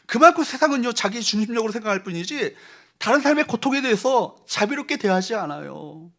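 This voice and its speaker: High bright-voiced man preaching emphatically. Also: lively intonation, quick pace. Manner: emphatic, rhetorical questions to the congregation; leads congregation in reading verses aloud. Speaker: pastor. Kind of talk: Sunday sermon. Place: church sanctuary.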